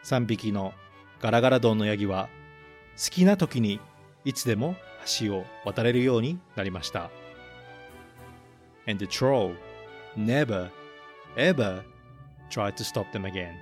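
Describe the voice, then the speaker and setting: Slow, even-voiced man reading a storybook. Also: lowish voice, soft background music. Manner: slow, careful reading of English lines, then Japanese translation; plain explanatory teaching tone. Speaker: podcast host reading a picture book. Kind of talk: bilingual storybook reading and English lesson.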